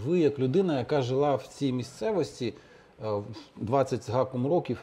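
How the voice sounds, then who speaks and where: A man speaks at medium pitch and a moderate pace, his tone dark and mellow. His intonation is lively against a quiet background. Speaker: oral history interviewer. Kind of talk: interview questions.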